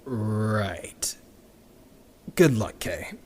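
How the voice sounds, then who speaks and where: Fed up crewmate in sci fi audio drama, really slow n deadpan, pitch jumps around a lot. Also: a little hiss or hum. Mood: awkward, dry. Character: exasperated, wary crewmate in a rocket project.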